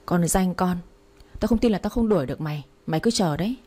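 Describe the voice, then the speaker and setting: A woman's voice: fairly low pitch, animated, quick pace, mellow, breathy edge. A woman voicing a spiteful stepmother who taunts and mocks her stepdaughter, in a storybook reading. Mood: sneering. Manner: sneering, taunting.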